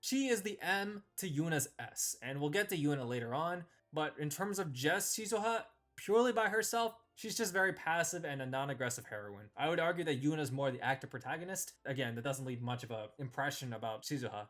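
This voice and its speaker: A man's voice: on the high side, fairly quick, hardly any pauses, fairly bright tone. A man hosting a video, giving scripted review commentary as he ranks characters in a tier list.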